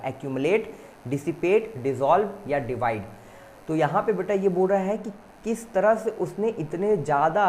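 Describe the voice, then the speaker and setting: A man's voice: a little high, a little hiss or hum. Man teaching an exam-prep lesson. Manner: reads English slowly, explains fast in Hindi; calls students "beta".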